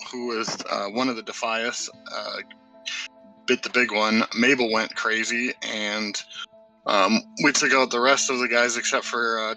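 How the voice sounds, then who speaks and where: A man's voice: fairly low pitch, pushed and bright, far from the mic, rough recording. A man playing in a tabletop game, recapping the last session on an audio-only call, rambling with lots of fillers. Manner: self-deprecating, rambling with many fillers. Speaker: player. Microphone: audio only on a video call, no camera.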